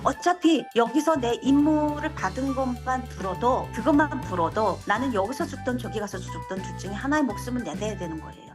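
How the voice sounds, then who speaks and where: A middle-aged woman from North Korea giving a personal testimony, telling her story in a lively way and acting out the dialogue. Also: fairly high pitch, brisk, few pauses, music in the background. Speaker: interviewee.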